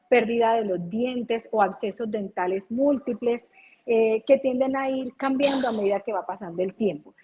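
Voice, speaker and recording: In a Colombian coastal accent, a woman speaks at a moderate pace and a fairly high pitch. Her tone is dark and mellow, with ordinary pitch variation. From Colombian Caribbean coast. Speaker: pediatric nephrologist. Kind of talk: interview.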